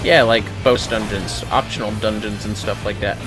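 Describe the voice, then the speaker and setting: Over music, a livestream gamer with a fairly low, steady voice chats casually at a moderate pace while playing an online game. He's blunt and swears along the way.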